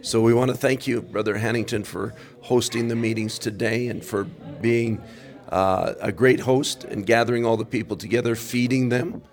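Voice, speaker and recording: A man's voice: medium pitch, fairly even intonation, moderate pace. A man hosting a Christian podcast, interviewing a local pastor and affirming him with frequent amens. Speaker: podcast host. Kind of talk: interview on a mission trip.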